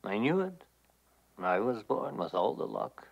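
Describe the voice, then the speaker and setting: A man's voice: fairly low pitch, big pitch swings, measured pace, creaky, highs cut off, slight background noise, exaggerated voice. A man voicing a glum, terse, muttering father in a family cartoon. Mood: sardonic.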